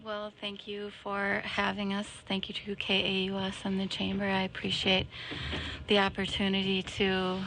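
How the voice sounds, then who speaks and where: Middle-aged Minnesota woman, gravelly and very flat, measured candidate statement, faint noise behind. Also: mid-range voice, rough recording. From Minnesota, United States. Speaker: city council candidate. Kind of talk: prepared statement on radio.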